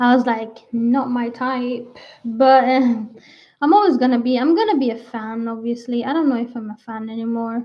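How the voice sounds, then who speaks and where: In a Swedish accent, a woman speaks at a high pitch with fairly even intonation. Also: moderate pace. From Sweden and England. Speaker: livestreamer. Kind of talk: casual livestream chat. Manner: rambling with hesitations.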